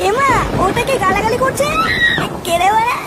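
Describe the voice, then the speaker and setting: A woman's voice: very high voice, moderate pace, a loud crowd, heavy background noise. A woman voicing a wary, indignant housewife who protests firmly in a comedy cartoon. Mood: offended.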